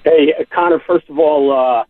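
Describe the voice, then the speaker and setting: An older man with a New York accent calling in to a radio talk show, speaking haltingly with many fillers. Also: on the high side, no echo. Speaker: caller. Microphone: telephone. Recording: phone line.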